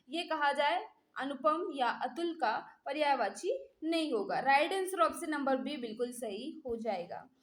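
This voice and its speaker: A woman's voice: sits high, fairly bright tone. A woman teaching a live exam-prep class, explaining by repeating questions and answers and addressing listeners as friends.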